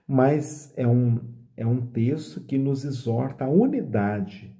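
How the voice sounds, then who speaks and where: A middle-aged Brazilian priest reads scripture aloud and reflects on it slowly, frequently adding "né?". His voice is mid-range and warm, picked up by a phone camera held close in a small indoor room.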